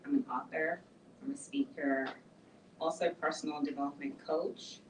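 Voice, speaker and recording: Brief: middle-aged woman, low voice, author talk, conversational, recorded from afar in an echoey room. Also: fairly even intonation, normal speed, recorded from a distance, slight background noise. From Nigeria. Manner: conversational, explains plainly. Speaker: author and speaker. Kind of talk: book talk to a small audience.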